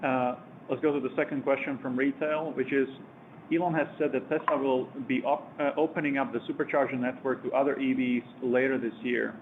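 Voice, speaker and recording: A man's voice: medium pitch, steady tone, brisk. A man acting as a company representative on an earnings call, reading out questions and chiming in. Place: conference call line. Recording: phone-like conference line with faint noise.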